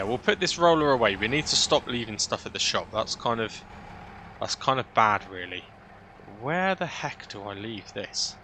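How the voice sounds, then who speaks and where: A British man with a fairly low, bright, forceful voice narrates his gameplay casually for a gaming video, talking his thoughts through and regularly tagging questions onto what he says. Engine noise, like that of a vehicle, fills the background.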